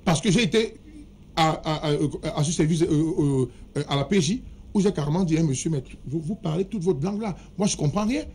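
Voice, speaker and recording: Insistent man debating, dark tone. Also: on the high side, animated, normal speed, breathy edge. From Cameroon. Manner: insistent, keeps demanding to finish speaking. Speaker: political debate panelist. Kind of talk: heated studio debate.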